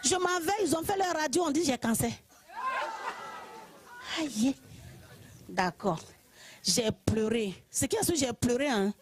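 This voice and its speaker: A woman from Côte d'Ivoire with an Ivorian French accent, telling her personal testimony in church in a lively way, often laughing. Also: high-pitched, a little slow, long pauses, a faint crowd, a little hiss or hum. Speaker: church member giving testimony.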